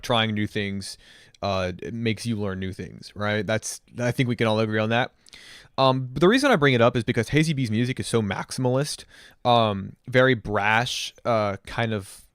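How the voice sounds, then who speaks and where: A man's voice: medium pitch, clear, resonant tone, dry recording, studio quality. A man reviewing songs on a casual livestream, rambling with many fillers and restarts. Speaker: music reviewer streamer.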